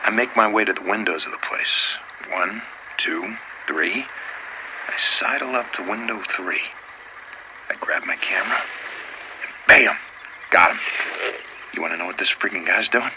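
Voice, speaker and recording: A wry, world-weary male detective in a noir audio drama, talks in a slangy, rambling way. His voice sits on the low side. The tape is dull and noisy. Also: measured pace, pauses often. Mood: incredulous, amused.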